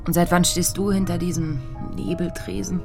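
A woman's voice: lowish voice, flat delivery, moderate pace, over music, lightly acted. An actress playing a bewildered, wry woman in her thirties in a radio drama, casual, dry and hesitant. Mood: wry, puzzled. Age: 30s. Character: bewildered, wry woman of 32 thrown between lives. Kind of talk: naturalistic radio drama acting.

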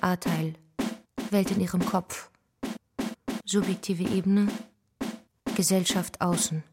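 A woman giving a measured, scripted reading for a radio feature. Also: lowish voice, steady tone. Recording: music under the voice. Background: music.

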